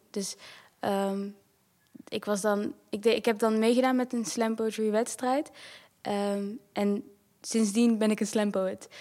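A woman speaks at a very slow pace with a fairly high pitch, a dark, mellow tone, fairly even intonation, and long, frequent pauses. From Netherlands. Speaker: spoken-word artist. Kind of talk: casual conversation.

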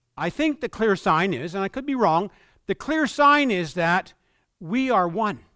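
Over a silent background in a very clean recording, a man with a Canadian accent uses a raised, projected voice at high pitch, with very wide pitch swings, a fairly slow pace and a dry, close sound with no echo. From Canada. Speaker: guest preacher. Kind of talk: sermon. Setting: church.

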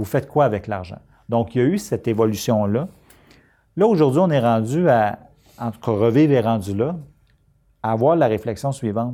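In a very clean recording with a silent background, a man with a Quebec accent speaks at a moderate pace in a medium pitch with a dark, mellow tone, ordinary pitch variation, and long, frequent pauses. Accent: Québécois French. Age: 40s. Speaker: nonprofit executive director. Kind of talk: interview.

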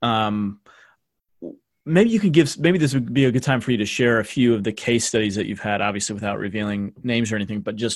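A man speaks in a normal speaking voice of medium pitch with lively intonation. The background is quiet. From Canada. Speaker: podcast host. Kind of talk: podcast interview; podcast intro. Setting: call.

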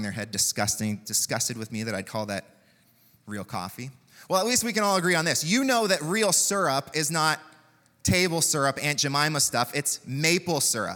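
A loud man speaks at a fairly quick pace with a bright, sharp tone and very wide pitch swings. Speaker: pastor. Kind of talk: sermon. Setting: church.

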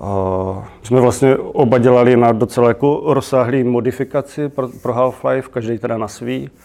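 With hardly any pauses, a man with a plain, everyday voice speaks at a moderate pace and medium pitch, his intonation fairly even. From Czechia, rural village. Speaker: game level designer. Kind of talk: interview.

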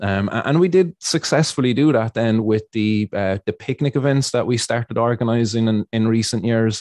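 In a quiet background with a dry, close sound and no echo, a man with a dark, mellow tone and medium pitch speaks at a moderate pace with ordinary pitch variation. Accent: strong Irish. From Ireland, Cork. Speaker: cannabis activist. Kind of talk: podcast interview. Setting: remote call, late night his time. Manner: halting, many fillers and repetitions.

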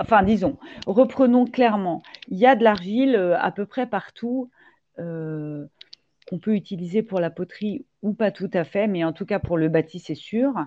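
Her intonation lively, a woman with a medium pitch speaks at a fairly slow pace. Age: 50s. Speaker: ceramic artist. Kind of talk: interview. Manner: halting, many fillers and repetitions.

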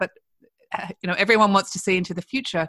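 A woman sounds enthusiastic and animated, with ordinary pitch variation and a dry, close sound free of echo. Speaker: podcast host. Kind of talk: interview, enthusiastic host. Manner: enthusiastic, animated.

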